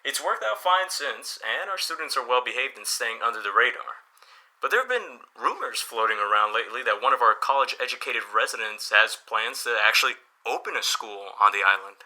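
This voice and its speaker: A man's voice: medium pitch, animated, brisk, pushed and bright, low-quality recording. A man playing a helpful, easygoing small-town newspaper boss in an audio drama, chatty and encouraging as he explains things. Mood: friendly, explanatory. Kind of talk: audio drama dialogue, conversational.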